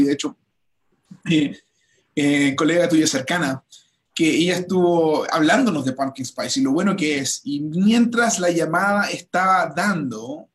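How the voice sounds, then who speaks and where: A man hosting an enthusiastic promotional interview, talking with frequent restarts and repeated words. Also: a little high. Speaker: host. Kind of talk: livestream interview chat.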